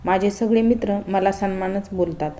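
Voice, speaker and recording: A woman's voice: mid-range voice, fairly even intonation, normal speed, mellow, a little hiss or hum, natural voice. A woman voicing a confident young man who teases his bride-to-be in a playful, self-assured way. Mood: teasing.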